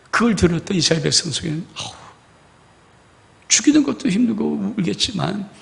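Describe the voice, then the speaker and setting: A man's voice: a little high, gravelly, big-room sound. A male pastor preaching a fervent sermon and reading scripture aloud to his congregation. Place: church sanctuary.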